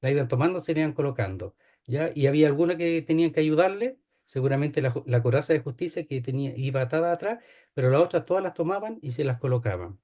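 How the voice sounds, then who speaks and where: A man's voice: fairly high pitch, animated, quick pace, warm tone. A man teaching a Bible study, explaining a passage and often checking in with "¿ya?". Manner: explanatory, repeats key phrases, asks "¿ya?".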